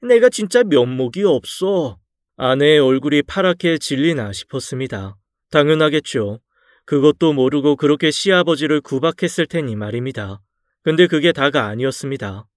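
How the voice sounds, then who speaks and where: Calm male storyteller, slightly high voice. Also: moderate pace, no room sound, studio quality. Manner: calm, confessional first-person telling. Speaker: story narrator. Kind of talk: scripted storytelling narration.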